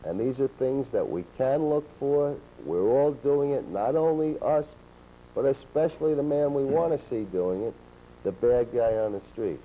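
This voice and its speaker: A man calmly explaining police techniques on a training video, in a steady, matter-of-fact way, heard from an old VHS tape. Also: medium pitch, normal speed. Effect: old VHS tape sound. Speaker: law enforcement instructor. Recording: dull worn VHS tape with faint hiss.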